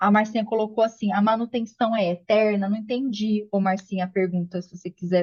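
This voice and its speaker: Somewhat breathy, a woman talks at a fairly quick pace with fairly even intonation. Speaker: nutritionist. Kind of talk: online class talk. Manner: fast.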